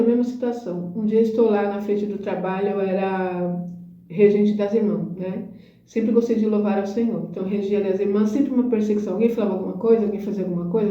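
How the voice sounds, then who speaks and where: A woman's voice: medium pitch, warm tone, far from the mic. A middle-aged woman hosting a talk, telling an emotional personal testimony and often adding little tag questions. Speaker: host. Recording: roomy echo, dull lo-fi sound.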